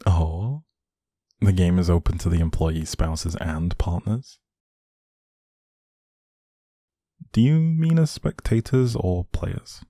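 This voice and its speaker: A man playing a doting, playfully teasing young boyfriend in an intimate one-sided roleplay, speaking affectionately with a soft, husky voice. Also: dry recording, clean studio sound. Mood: amused, curious. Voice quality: low, soft, husky, creaky.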